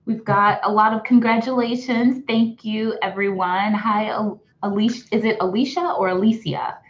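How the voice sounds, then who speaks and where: A woman's voice: mid-range voice, little pitch movement, normal speed. Chatty young woman on a live stream. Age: young adult. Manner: chatty, upbeat, greets viewers by name. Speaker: vlog co-host. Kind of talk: casual live-stream chat. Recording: roomy, slightly dull live-stream audio.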